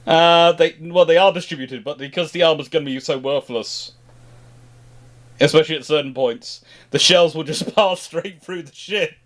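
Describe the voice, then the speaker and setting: A man's voice: on the high side, moderate pace, fairly bright tone. Man reasoning aloud in casual discussion. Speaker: history show host answering questions. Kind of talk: casual speculative discussion, explaining.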